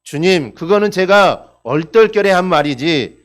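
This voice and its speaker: A man's voice: high-pitched, lively intonation, measured pace. A male pastor voicing a tired middle-aged deacon who complains and pleads in a sermon story. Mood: grumbling.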